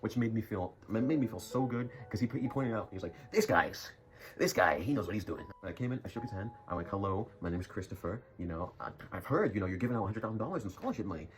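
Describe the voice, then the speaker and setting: A man's voice: fairly low pitch, animated, quick pace. A young man telling a rambling school story in a casual vlog, full of jokey, self-mocking asides. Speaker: YouTuber. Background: music.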